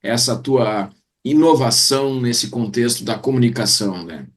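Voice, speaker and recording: A man's voice: mid-range voice, normal speed. A man hosting a conversational business interview. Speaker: interviewer, show host.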